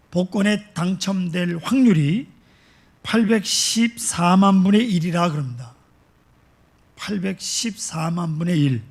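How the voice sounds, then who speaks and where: Gravelly, husky Korean pastor preaching. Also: male voice, sits high. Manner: slow, emphatic preaching with rhetorical questions. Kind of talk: sermon.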